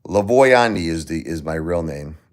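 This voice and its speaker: A man's voice: a bass voice, lively intonation, moderate pace. A man from the United States hosting a casual livestream, rambling and restarting as he talks straight to his viewers. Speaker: livestream host.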